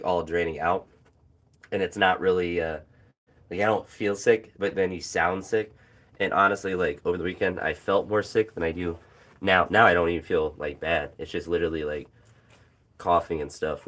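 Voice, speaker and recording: A young man, a phys ed teacher, chatting casually about his training with a hoarse, phlegmy throat and many fillers and pauses. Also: deep voice, fairly bright tone. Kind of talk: casual vlog chat while training.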